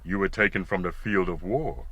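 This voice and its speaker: An actor playing a grave, fair-minded tribal elder in a radio drama, questioning in a formal, weighty manner. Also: male voice, low-pitched, moderate pace, pushed and bright, dry recording, highs cut off.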